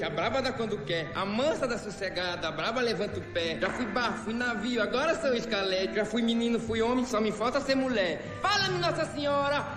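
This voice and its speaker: A high, declamatory voice of a poor rascal reciting rhymed prayers. The clip rings with long reverb, as if from a large space. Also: male voice. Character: poor cunning man praying to the Virgin in verse. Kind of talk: stage or film acting.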